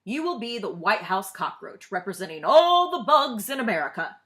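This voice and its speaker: A woman's voice: mid-range voice, sing-song, moderate pace, fairly bright tone. Woman acting an earnest, emphatic male president. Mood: commanding, conciliatory. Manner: emphatic, speech-making delivery.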